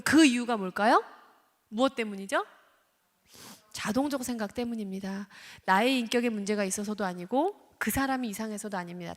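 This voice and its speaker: A woman counselor giving a lecture at a church service, questioning her audience and acting out examples. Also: on the high side. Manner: engaging, asks the audience questions, acts out examples. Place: church sanctuary. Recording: church hall reverb.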